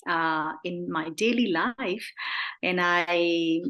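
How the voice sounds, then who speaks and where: A middle-aged Burmese nun with a Burmese accent, answering interview questions in an unhurried, gentle way. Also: female voice, on the low side. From Burma. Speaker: Buddhist nun, interview guest.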